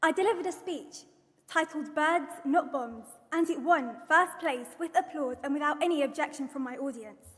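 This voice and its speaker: A young woman speaks in a high voice with a London accent. She delivers a prepared, earnest speech to the formal standard of a public event, and long hall reverb trails her words. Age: young adult. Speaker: guest speaker, activist. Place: large indoor event venue.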